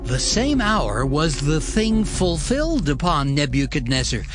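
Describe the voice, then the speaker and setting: A man's voice: a little high, sing-song, a little slow, music in the background. A man narrating a dramatized scripture story in a solemn, dramatic storytelling manner.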